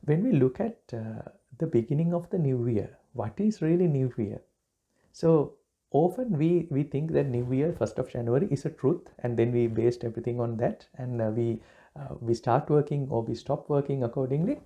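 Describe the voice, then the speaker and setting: A man from Sri Lanka, a Buddhist monk giving a relaxed dharma talk, pausing often with fillers and restarts. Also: mid-range voice, dull audio. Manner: halting, many fillers and restarts.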